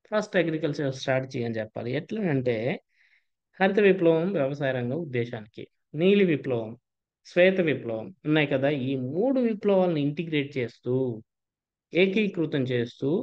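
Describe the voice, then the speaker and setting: A man's voice: a little high, a little mellow, lo-fi sound. A man teaching an online exam-prep lecture, explaining step by step, mixing in English terms and checking in with his students.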